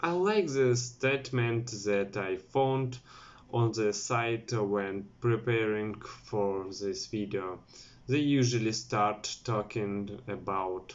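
In a Russian accent, a man speaks very slowly at a fairly low pitch, with ordinary pitch variation. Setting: home video recording, brother in house. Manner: halting, hesitant, many fillers; laughs often, apologetic.

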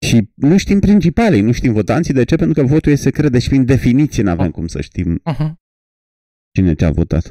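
In a quiet background, a man with a dark, mellow tone speaks at a fairly quick pace, his pitch swinging very widely. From Romania. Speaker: podcast co-host. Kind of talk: casual discussion. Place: home room. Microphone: studio mic.

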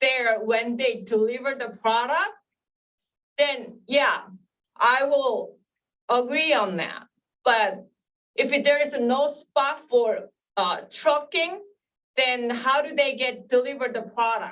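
A woman with a non-native accent speaks at a very slow pace in a high voice, leaving long, frequent pauses. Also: ordinary pitch variation. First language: not English. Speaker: public commenter, former store owner. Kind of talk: public comment at hearing. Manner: halting.

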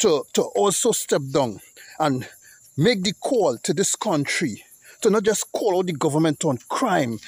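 Against a quiet background, a man with a high pitch talks fairly slowly with very wide pitch swings, the sound dry and free of echo. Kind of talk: political address to viewers. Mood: angry, urgent appeal. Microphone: phone near.

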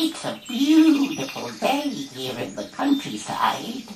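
A man's cartoonish character voice at an extremely high pitch. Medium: puppet. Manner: cheerful.

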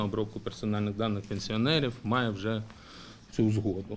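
Light background noise sits behind a man speaking at a moderate pace with a fairly low pitch. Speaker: government official presenting a bill. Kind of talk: formal committee presentation. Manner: formal. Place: meeting room. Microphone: podium.

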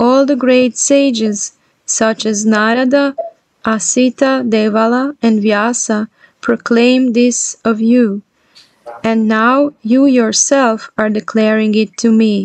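Against a quiet background, a woman speaks very slowly at a fairly high pitch, her intonation fairly even and her loudness very even, with a dry sound and no echo. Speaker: devotee in spiritual community. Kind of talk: casual introduction; scripture reading. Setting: video call. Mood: calm, devotional. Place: home room. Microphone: webcam.

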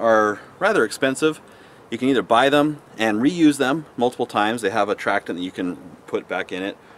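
A man at a moderate pace, lively in intonation, in a dry recording with no echo. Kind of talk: tutorial. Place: garden.

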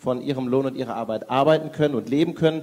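His pitch is fairly high and varies in an ordinary way. The man keeps a moderate pace. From Hesse, Kirchhain area. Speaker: state politician, former teacher. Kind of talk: panel debate. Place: hall.

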